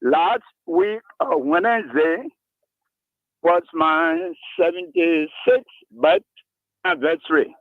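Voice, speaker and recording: A man in his seventies with a Liberian English accent, calling in to a radio talk show and speaking slowly about himself. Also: high voice, dry recording. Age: 70s. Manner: slow, lively rises and falls, gravelly. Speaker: caller. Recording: tinny dry phone line.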